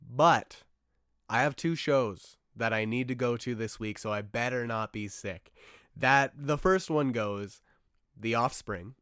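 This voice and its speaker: A young adult man hosting a casual solo podcast, rambling with lots of fillers and bursts of excitement, his voice a little rough from starting to lose it. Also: mid-range voice, measured pace, no room sound, clean studio sound. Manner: enthusiastic, rambling, with frequent fillers and asides. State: slightly rough, losing his voice. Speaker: podcast host.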